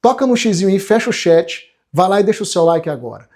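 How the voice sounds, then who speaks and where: A man's voice: high-pitched, lively intonation, quick pace, darkish tone. A man, a self-help coach giving an emphatic live-stream class and speaking straight to the viewer. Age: 40s. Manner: emphatic, repeats phrases, addresses the viewer directly.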